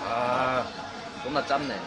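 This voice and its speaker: A man's voice: medium pitch, steady tone, takes it slowly. A man hosting a casual livestream, talking bluntly and offhandedly right after sipping soup in a busy izakaya. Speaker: livestream host and local guide. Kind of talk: casual chat. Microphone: phone livestream. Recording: noisy bar with music and crowd chatter.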